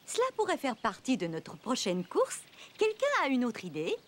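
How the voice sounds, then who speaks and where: A woman playing a cheerful, encouraging young preschool teacher in a French children's cartoon, giving clear, animated instructions. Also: fairly high pitch, moderate pace, a little hiss or hum. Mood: encouraging, organising. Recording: music bed under the voice.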